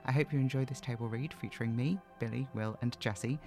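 A man's voice: mid-range voice, fairly quick, a little mellow, faint music behind. A man giving an informal spoken introduction as the creator of a show.

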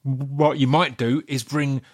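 Podcast host asking rambling questions. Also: male voice, mid-range voice, little pitch movement, takes it slowly, a little mellow. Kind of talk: casual interview.

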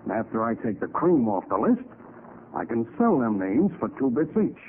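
Male actor as cocky crook with a gun, 1940s radio crime drama. Slangy, animated menace, tinny vintage sound. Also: mid-range voice, moderate pace, close to an everyday voice. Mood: smug, cold. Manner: tough slangy gangster talk. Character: cocky male gangster killer and swindler holding a gun. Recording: scratchy, thin 1940s radio recording.

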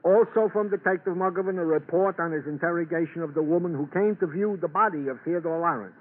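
A man's voice: on the high side, quick pace, lightly acted. An actor playing a chatty, wordy police officer briefing his lieutenant in a 1950s radio drama. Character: chatty, wry police desk sergeant. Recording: tinny old radio broadcast.

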